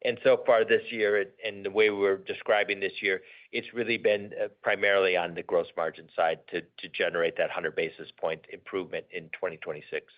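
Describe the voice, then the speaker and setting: A man speaking as a company executive, answering questions off the cuff in a measured way, often rephrasing himself. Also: deep voice, level tone. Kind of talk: unscripted earnings call answers. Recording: dull, band-limited conference call audio.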